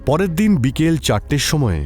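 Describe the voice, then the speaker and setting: একজন পুরুষ কথক লিখিত ভূতের গল্প পাঠ করছেন।. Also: male voice, on the high side, sing-song, moderate pace, a little mellow, soft background music. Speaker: narrator. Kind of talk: scripted horror story narration.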